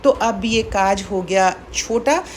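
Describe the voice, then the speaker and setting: A woman's voice: medium pitch, slow pace, darkish tone, slight background noise. A middle-aged woman narrating a casual daily vlog in a chatty, explanatory way. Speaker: vlogger and radio broadcaster.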